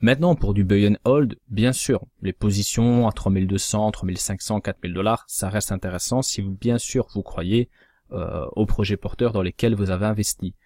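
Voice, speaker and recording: A man's voice: fairly low pitch, a little mellow, no echo. Dry-voiced man explaining crypto charts. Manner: measured, cautionary, explanatory. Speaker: crypto trading analyst. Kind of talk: scripted chart analysis voice-over.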